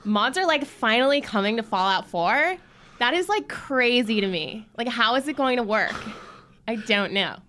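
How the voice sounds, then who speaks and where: A gushing young Valley Girl, played by a woman, with a Southern California accent. The voice is pitched up and exaggerated, breathless with amazement. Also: expressive, normal speed, fairly bright tone, slight background noise. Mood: gushing disbelief.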